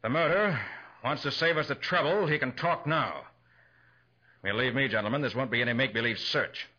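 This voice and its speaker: Bright, husky 1940s radio detective. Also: male voice, medium pitch, brisk. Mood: commanding. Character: sharp, confident male private detective, calm under pressure. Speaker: lead actor. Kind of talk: 1940s radio drama acting. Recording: dull old 1940s radio recording.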